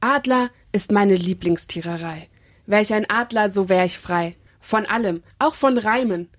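A woman's voice: mid-range voice, moderate pace, natural voice. Woman doing a daydreamy dino, rhyming and pondering, kinda whimsical. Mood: musing. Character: dreamy rhyming male dinosaur.

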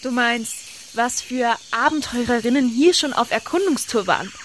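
A woman's voice: a little high, normal speed, a little hiss or hum, natural voice. A woman playing an enthusiastic professor of adventure in a children's audio drama. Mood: eager. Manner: bright, enthusiastic.

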